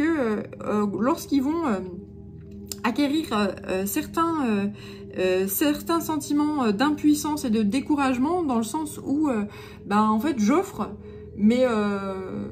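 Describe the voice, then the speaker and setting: A woman with a Jura accent giving an unscripted channeled guidance reading, halting with many fillers and restarts and given to self-mocking humor. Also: fairly high pitch, a little mellow, slight background noise. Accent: Jura French. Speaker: spiritual channeler.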